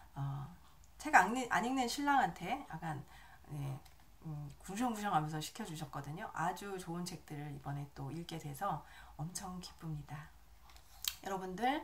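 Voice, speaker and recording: In a room with audible echo and noticeable background noise, a woman with a fairly low pitch speaks at a fairly slow pace with long, frequent pauses. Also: lively intonation, big swings in loudness. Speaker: book review YouTuber. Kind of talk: book review with read-aloud passages. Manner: many filler sounds like 어 and 음.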